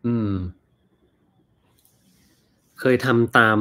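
A man in his thirties hosting a casual livestream Q&A, reading viewer comments and answering in a relaxed, chatty way full of fillers. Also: extremely slow. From Thailand. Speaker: doctor and livestream host.

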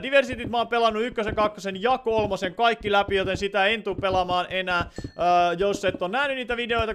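A man's voice: high voice, a bit bright, slight background noise. A young man with a Finnish accent, streaming Minecraft live and chatting to viewers, with many fillers as he answers chat. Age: teens. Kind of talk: live gameplay commentary. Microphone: desk microphone.

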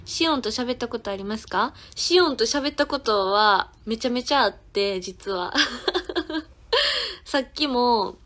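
A woman in her twenties, an idol singer hosting a phone livestream, chats casually in a Kansai accent, giggling as she answers viewers' comments one at a time. Her voice is on the high side and a bit bright, moving at a moderate pace with hardly any pauses.

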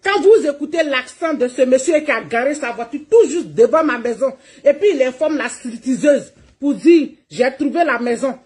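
A woman's voice: high voice, animated, normal speed, hardly any pauses, a little mellow. A woman streamer delivering a heated livestream rant, combative and mocking, laughing as she scolds. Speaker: online streamer.

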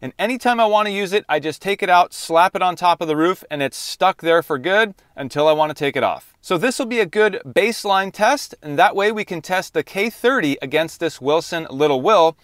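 Guy in his 40s doing a casual gear test vlog, voice a bit high, close dry lapel mic. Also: animated, fairly quick, few pauses, a bit bright, clear, resonant tone, no room sound. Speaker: host. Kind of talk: casual product-test vlog talk to camera. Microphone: lavalier clipped to shirt.

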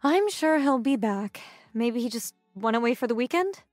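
A woman's voice: a little high, animated, moderate pace, darkish tone, faint music behind, natural voice. An actress playing a teasing, sympathetic female coworker in a casual audio drama scene.

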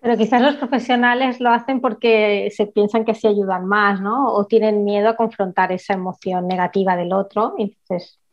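A woman's voice: mid-range voice, steady tone, moderate pace, hardly any pauses. A woman guest in a casual conversation, talking hesitantly and adding frequent tag questions. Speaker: guest professional. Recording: dull lo-fi sound.

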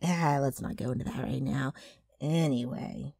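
Low, raspy, brash ghoul girl. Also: moderate pace, warm tone, dry recording, full character voice. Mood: sly, coaxing. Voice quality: rough, raspy. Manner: rambling, flustered salesman-like patter with throat clearing. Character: gross, brash, scheming female ghoul ghost. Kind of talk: ASMR character roleplay addressed to listener.

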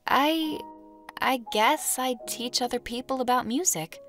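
A woman's voice: high voice, measured pace, a bit bright, faint music behind. A young woman playing a tired, reserved student who works late, speaking in a subdued, polite, hesitant way in an audio drama. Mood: weary, unsure. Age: young adult.

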